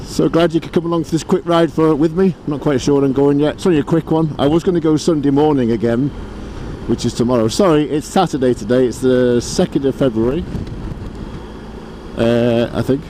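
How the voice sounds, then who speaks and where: Hoarse chatty man with a cold. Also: fairly high pitch, a little fast, warm tone. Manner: self-deprecating, chatty, laughs often. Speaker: motorbike vlogger. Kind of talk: rambling casual vlog. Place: outdoors on a motorbike. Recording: wind noise outdoors.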